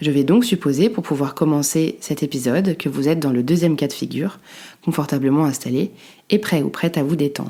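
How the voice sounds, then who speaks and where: Delivery is fairly quick. A dark, mellow tone carries ordinary pitch variation. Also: woman, very deep, low pitch for a woman. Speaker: sophrologist podcast host. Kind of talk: podcast intro talk; guided meditation. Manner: louder when waking listeners.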